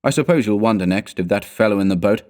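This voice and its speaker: A man's voice: on the low side, fast talker, a little mellow, lightly acted. A man voicing a nervous, stubbornly rational adventurer in a storybook, dismissive and impatient. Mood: dismissive, uneasy. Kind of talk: storybook character dialogue.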